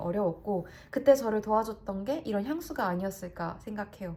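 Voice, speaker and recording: With lively intonation, a woman at medium pitch speaks at a moderate pace in a somewhat breathy voice. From South Korea. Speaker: flight attendant vlogger. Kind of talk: personal vlog talk. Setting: home.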